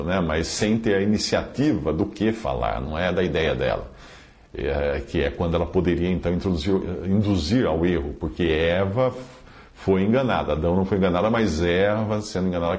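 A man with a fairly low voice works through a listener's letter, quoting scripture and citing chapter numbers. His pitch rises and falls widely as he stresses his points. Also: darkish tone. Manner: emphatic, quotes scripture and chapter references. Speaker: Bible teacher answering a listener. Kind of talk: podcast commentary reading a listener's letter.

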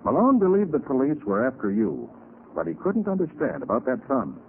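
Assured master sleuth explaining things briskly. Animated pitch, vintage radio crime drama, tinny sound. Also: male voice. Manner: assured, explanatory, crisp authority. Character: confident, brisk master detective, adult man. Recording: scratchy, thin 1940s radio recording.

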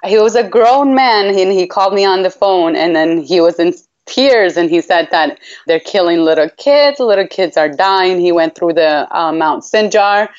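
A woman's voice: on the low side, moderate pace, a little mellow. A woman from Iraq giving heartfelt interview answers as a campaigner, earnest and emphatic, repeating phrases for weight. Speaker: human rights campaigner, interview guest. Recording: dull, lo-fi line.

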